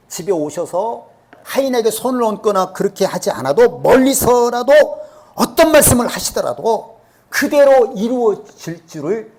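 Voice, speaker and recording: Animated male pastor preaching. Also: high-pitched. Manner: asks the congregation rhetorical questions. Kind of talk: sermon. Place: church sanctuary.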